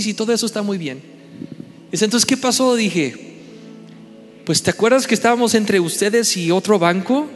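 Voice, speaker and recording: A man preaching as a pastor, telling a story and acting out both sides of phone calls. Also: fairly high pitch. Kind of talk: sermon storytelling. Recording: long hall reverb with faint music.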